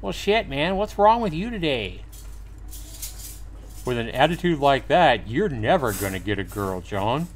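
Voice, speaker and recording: A man voicing a cocky, crude teenage high school boy from a visual novel, teasing his friend, with noise behind him. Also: big pitch swings, a little slow. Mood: mocking. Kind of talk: acted visual novel dialogue.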